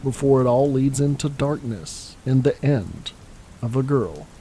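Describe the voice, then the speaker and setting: Hoarse man narrating a film review. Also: medium pitch, expressive, a little slow, dark tone, a little hiss or hum, low-quality recording. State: hoarse, raspy from illness. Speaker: film reviewer and channel host.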